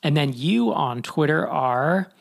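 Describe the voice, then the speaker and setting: A man hosting a podcast interview, upbeat and quick with follow-up questions. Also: a little high, lively intonation, creaky. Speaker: podcast host.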